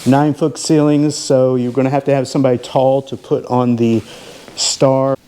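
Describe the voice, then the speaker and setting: A man with a mid-range voice talks as a real estate advisor on a video home tour. His delivery is casual and salesy, addressing the viewer directly as he pitches. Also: little pitch movement, normal speed, warm tone, clean tone. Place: inside a model home.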